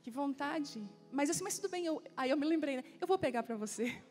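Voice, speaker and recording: High-voiced woman pastor telling stories. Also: fairly quick, faint music behind. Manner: animated storytelling with acted-out dialogue. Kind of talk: sermon. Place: church.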